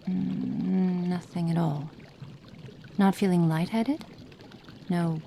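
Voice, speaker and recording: A woman voicing a cold, impatient female witch experimenter in an ASMR roleplay, speaking softly and partly in whispers, haughty and condescending. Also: lowish voice, slight background noise. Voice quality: soft, partly whispered delivery.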